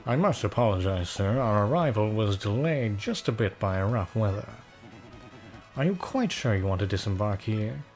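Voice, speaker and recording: Guy doing a low measured ship captain, kinda ominous, swings around a lot. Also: expressive, darkish tone, soft background music. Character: grave old ship captain, warning, adult man.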